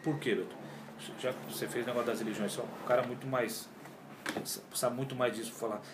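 A man's voice: medium pitch, fast, background noise. A man, a yoga teacher telling his story in a casual, slangy interview. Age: 40s. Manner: animated and slangy, often says cara and pô. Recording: roomy echo.

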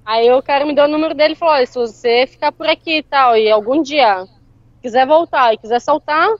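A woman telling a story in casual chat, animated and often laughing. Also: high voice, a little fast, no echo, muffled recording. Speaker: interview guest.

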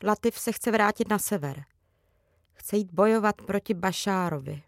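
A woman voicing a shy, gentle teenage girl who is the older sister, speaking quietly in a storybook reading. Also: medium pitch, no echo, studio quality, natural voice. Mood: quiet, subdued.

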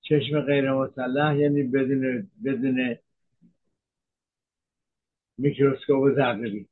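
Doctor, male, mid-pitched, steady explainer with pauses, narrow tinny audio. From Iran. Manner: measured, explains terms, frequent hesitations. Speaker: physician giving health talk. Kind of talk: explanatory medical talk.

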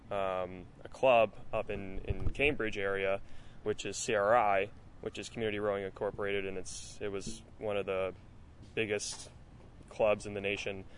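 Young guy from massachusetts telling how he got into rowing, flat low voice. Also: slight background noise. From Massachusetts, USA. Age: young adult. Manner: steady storytelling with fillers. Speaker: college rower. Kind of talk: interview answers.

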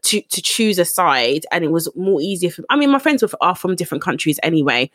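Animated woman. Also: fairly low pitch, dry recording, clean studio sound. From Ghana heritage, raised in England. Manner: animated, chatty, quick asides. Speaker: podcast co-host. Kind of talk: casual chat.

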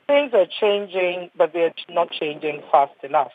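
On a thin, phone-like line that comes across husky and dry, a woman doctor from Ghana, in her sixties, talks earnestly during a panel discussion. Her fairly low voice is animated and unhurried, with no echo, and she frequently restarts by repeating words.

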